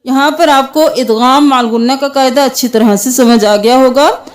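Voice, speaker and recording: A woman teaching tajweed, chanting Quranic words slowly and spelling them letter by letter with their vowel marks, with an Urdu-speaking South Asian accent. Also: sits high. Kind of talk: tajweed lesson, slow chanted recitation between quick explanations.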